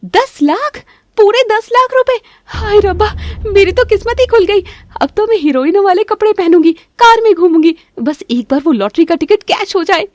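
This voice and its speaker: A woman voicing a cheeky, bubbly young daughter-in-law in an animated family cartoon. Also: very high-pitched, a little slow, voice pushed up. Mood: thrilled. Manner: teasing, giggly, bubbly.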